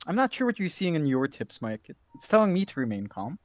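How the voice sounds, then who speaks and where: Southeast Asian-accented man, color commentator, animated intonation, dry mic, easygoing. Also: on the high side, fast, no echo. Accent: Southeast Asian English. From Southeast Asia. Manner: relaxed, easily amused, thinking aloud. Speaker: esports co-caster.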